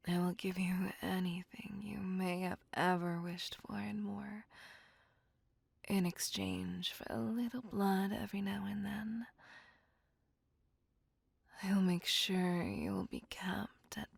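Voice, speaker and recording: A woman's voice: medium pitch, slow pace, vocal fry, pauses often, husky, no echo, exaggerated voice. A woman voicing a polite, possessive female vampire in an ASMR roleplay, speaking formally and often whispering close to the mic. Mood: whispered yearning. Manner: formal, courteous old-fashioned speech; whispering intimately. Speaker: voice actor.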